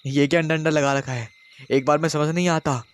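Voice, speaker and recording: An impatient young husband scolds his wife, exasperated and quick with his questions. A man plays him close to his own narrating voice. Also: fairly high pitch, steady tone, natural voice. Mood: scolding.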